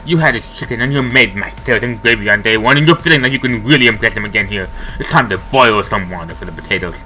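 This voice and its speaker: A man hosting a let's play, reading the game's narration aloud in an expressive, jokey way. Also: lowish voice, quick pace, soft background music. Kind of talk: reading game text aloud.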